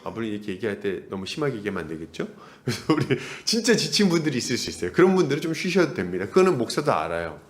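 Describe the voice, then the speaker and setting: A man's voice: medium pitch, very animated, very fast, few pauses. A male pastor preaching an expository sermon, throwing rhetorical questions at the congregation and acting out the voices he quotes.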